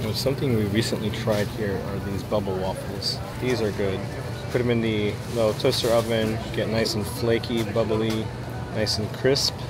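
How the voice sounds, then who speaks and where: Clear music plays in the background as a man speaks at a moderate pace, the sound dry with no echo. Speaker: shopping vlogger. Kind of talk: casual vlog chat. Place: shop. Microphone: phone near.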